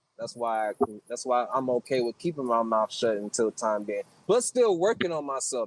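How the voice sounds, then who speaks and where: A man with an American accent and medium pitch, at a moderate pace, in a dry, close sound with no echo. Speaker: podcast host. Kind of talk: casual chat. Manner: halting, many repeated fillers.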